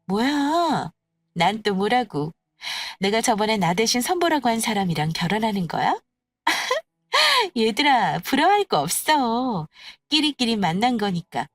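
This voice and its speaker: A woman voicing a snobbish, sneering young woman in an audio story, talking in a condescending, mocking, drawn-out way. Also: fairly high pitch, very animated, no echo. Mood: mocking, disdainful. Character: snobbish, sneering young woman who belittles her friends. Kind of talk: acted dialogue in an audio story.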